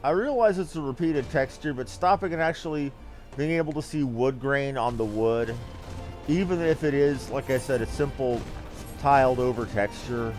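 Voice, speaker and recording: A man's voice: mid-range voice, moderate pace, darkish tone, faint music behind. A man giving casual gameplay commentary as a streamer, with crude, salty asides. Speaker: game streamer.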